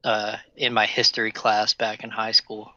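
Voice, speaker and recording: A man's voice: lowish voice, monotone, moderate pace, bright, forceful tone, no echo. A man player joking and teasing in casual chat during an online tabletop game, heard through a dull, lo-fi home microphone.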